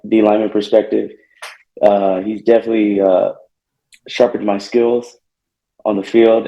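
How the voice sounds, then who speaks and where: A man's voice: on the low side, dull audio. Hesitant young man on an echoey call line. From Northern California. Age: young adult. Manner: soft-spoken, hesitant, many fillers. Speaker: college football player guest. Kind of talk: interview answers.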